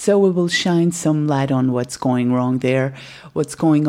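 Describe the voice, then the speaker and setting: Her dark, mellow tone and lively intonation carry a Swiss German accent as the woman speaks. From Switzerland. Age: 40s. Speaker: podcast host, former radio host. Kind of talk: personal monologue.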